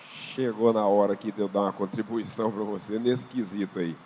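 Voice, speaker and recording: Brazilian guy from the class chiming in, low voice, far from the mic in an echoey hall. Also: fairly even intonation, brisk, dark tone. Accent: Brazilian Portuguese. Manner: speaks up to add a point. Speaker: class member. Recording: distant in echoing hall, faint noise.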